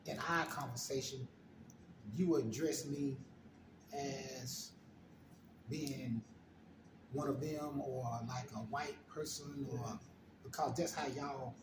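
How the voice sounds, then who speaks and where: An African American man hosting a relaxed, informal chat, clearing his throat often, recorded on a phone at home. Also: medium pitch, slow, long pauses, roomy sound, background noise. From United States. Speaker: host. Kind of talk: casual conversation.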